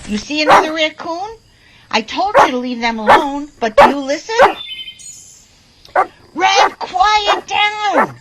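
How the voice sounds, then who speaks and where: A woman's voice: high voice, heavy background noise. A woman acting a chatty, rustic backwoods woman who scolds and confides in her dog in an audio drama. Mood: exasperated. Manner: rustic, chatty, exasperated folksy talk.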